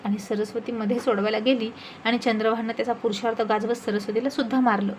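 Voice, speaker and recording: A woman tells a serialized moral story with dramatic, emotional delivery. Her voice sits on the higher side, with faint background hiss under it. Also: steady tone, fast talker, darkish tone, rough recording.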